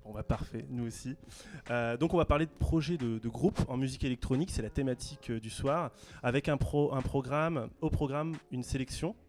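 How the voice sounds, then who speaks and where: A man hosting a casual radio chat show, relaxed and hesitant, with many fillers. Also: medium pitch, a little fast, few pauses. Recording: music playing faintly behind.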